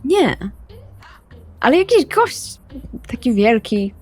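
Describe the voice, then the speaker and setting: A woman's voice: sits high, very animated, slow pace, darkish tone, slightly rough, voice pushed up, exaggerated voice. A woman playing an evasive, harried young woman in a roleplay session, hesitant but urgent as she manages others. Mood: placating. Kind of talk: improvised tabletop roleplay acting.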